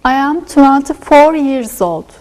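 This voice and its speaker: A woman with a high voice answers practice questions slowly and evenly as a classroom assistant. Her replies are simple, complete sentences. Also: animated, a little mellow, rough recording.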